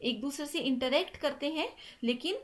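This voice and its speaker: High-voiced woman teaching an exam class. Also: normal speed. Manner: repeats "ठीक है" constantly, mixes English terms into Hindi. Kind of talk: online exam-prep lecture.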